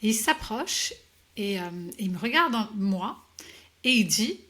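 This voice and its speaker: A woman coach as an interview guest, telling her story hesitantly with many pauses and restarts. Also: medium pitch, expressive, sharp tone. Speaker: executive coach, podcast guest. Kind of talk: conversational interview answers.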